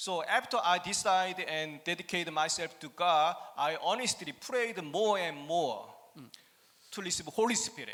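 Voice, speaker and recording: The voice belongs to a man with a high pitch. He speaks at a very slow pace. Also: ordinary pitch variation. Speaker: interpreter. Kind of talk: consecutive sermon interpretation. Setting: conference stage with audience. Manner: hesitant, self-correcting.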